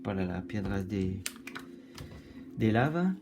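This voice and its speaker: A man with a French accent doing a casual tarot card reading, halting and searching for words, with many restarts and French filler words slipped in. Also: lowish voice, sing-song, noisy background. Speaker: tarot reader.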